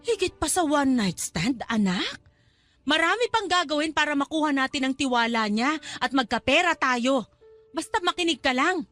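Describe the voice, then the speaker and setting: A woman's voice: sits high, sing-song, normal speed, fairly bright tone, no echo, faint music behind. An actress playing a scheming middle-aged mother in a radio drama, coaxing and insistent as she persuades her daughter.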